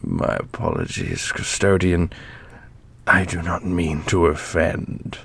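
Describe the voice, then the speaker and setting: A man voicing a loyal, stubborn old general with formal military manners and a gravelly, husky voice in a fantasy roleplay. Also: low voice, very animated, slow, a bit bright, full character voice. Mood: apologetic. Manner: formal, respectful military address. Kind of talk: ASMR fantasy audio roleplay.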